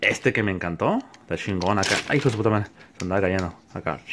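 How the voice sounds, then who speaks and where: Noticeable background noise sits behind a speaker with a Mexican accent. The pace is fairly quick, with ordinary pitch variation. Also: man. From Mexico. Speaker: YouTuber and video game collector; YouTuber. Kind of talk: casual vlog monologue. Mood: joking, playful. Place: home room. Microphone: phone near.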